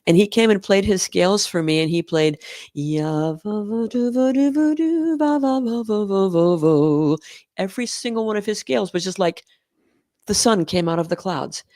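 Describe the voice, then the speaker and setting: A woman's voice: mid-range voice, normal speed, no echo, clean studio sound. A middle-aged woman, a school band director, talking as a guest in an interview, telling stories and laughing easily. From Oregon, US. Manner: warm storytelling, laughs easily. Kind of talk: conversational interview.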